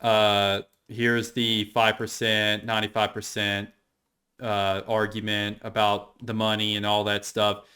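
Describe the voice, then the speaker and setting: A man's voice: on the low side, completely flat delivery, a little slow, sharp tone, clean tone. A man giving casual, unscripted commentary as an online drama explainer, rambling and repeating his points in an opinionated way. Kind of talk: casual unscripted commentary going through screenshots.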